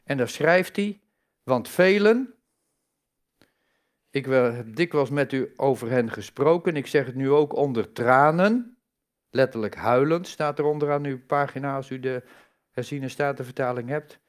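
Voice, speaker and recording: A man's voice: mid-range voice, unhurried, clear, resonant tone. A man giving a sermon in a conversational way, asking the congregation rhetorical questions and stressing key words. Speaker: preacher.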